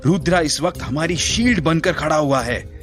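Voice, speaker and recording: An actor playing a stern, pragmatic priest in a horror audio drama, speaking firmly with urgent command. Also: male voice, fairly high pitch, normal speed, a bit bright, faint music behind, natural voice.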